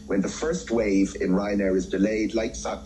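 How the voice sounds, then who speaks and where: An Irish man giving unscripted expert commentary in a radio interview, in a halting, stop-start way with repeated words. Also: lowish voice, fairly even intonation, dark tone, faint music behind, poor audio. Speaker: travel editor, studio pundit.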